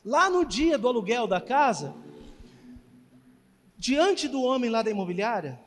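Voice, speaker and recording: A man preaching as pastor, telling a testimony with animated storytelling and emphatic exhortation. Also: very high voice, a little slow, slight background noise. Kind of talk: sermon with testimony. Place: church hall. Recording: church hall reverb.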